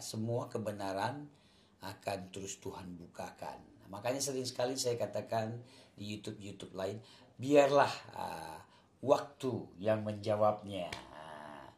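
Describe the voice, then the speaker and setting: A man's voice: on the low side, unhurried, darkish tone. A man from Aceh with an Acehnese accent, telling his faith story in a casual interview, earnest and emphatic, repeating his points. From Aceh, Indonesia. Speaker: guest testifying about his faith. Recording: echoey room.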